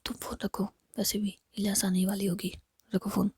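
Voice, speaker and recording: A woman whispering the lines of an anxious young woman, pleading and hushed. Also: mid-range voice, flat delivery, moderate pace, slightly rough, no room sound, clean studio sound. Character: anxious young woman torn between two people.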